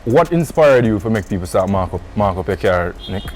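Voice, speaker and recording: A man's voice: fairly low pitch, lively intonation, brisk, a little mellow, soft background music. A man with a Jamaican accent presenting and interviewing as host of an entertainment and lifestyle show, using patois slang.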